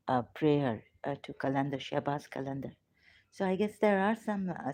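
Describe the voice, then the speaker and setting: A woman with a Pakistani accent telling her own story in a personal video monologue, pausing often with filler sounds. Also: low-pitched, warm tone. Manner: hesitant, full of filler sounds. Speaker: vlogger.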